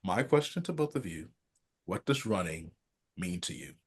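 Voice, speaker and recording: A man hosting a podcast interview, telling stories in a lively, laughing way. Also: sits low, normal speed, slightly rough. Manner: animated, laughing storyteller. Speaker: podcast host. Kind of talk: casual interview chat.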